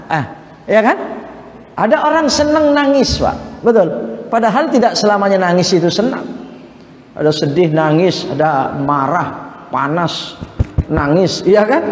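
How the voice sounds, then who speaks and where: A man preaching a dawn sermon in a mosque, from Indonesia, chatting with the congregation and asking for their agreement, his voice jumping between high emphatic bursts and low murmurs. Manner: conversational, often asks the congregation for agreement. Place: mosque hall. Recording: echoey mosque hall.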